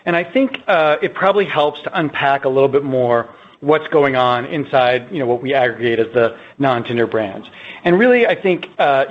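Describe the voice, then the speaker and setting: A man speaking as a company executive, answering on an earnings call in a measured, explanatory way. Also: medium pitch. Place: conference call line. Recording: dull, muffled conference call audio.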